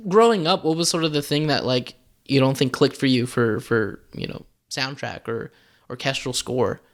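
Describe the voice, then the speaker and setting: A man's voice: mid-range voice, normal speed. A man hosting a casual podcast, asking questions in a friendly, affirming way with lots of casual fillers. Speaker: podcast host.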